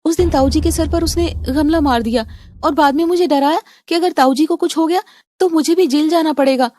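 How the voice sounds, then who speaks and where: A remorseful young woman, voiced by a woman in a cartoon story, begging to be forgiven. Her voice is high and pleading. The sound is dry and close. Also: brisk, darkish tone, no echo, lightly acted.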